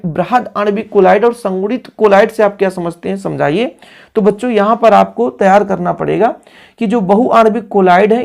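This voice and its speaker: A man's voice: high voice, gravelly, a little mellow. A man teaching a coaching-class chemistry lecture, coaxing his pupils and asking and answering his own questions. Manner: coaxing, keeps checking in with listeners.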